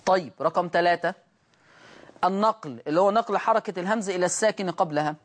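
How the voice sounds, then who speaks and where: Man teaching Quran recitation. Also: high-pitched. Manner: asks rhetorical questions, then answers them and chants examples slowly. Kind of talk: televised recitation lesson.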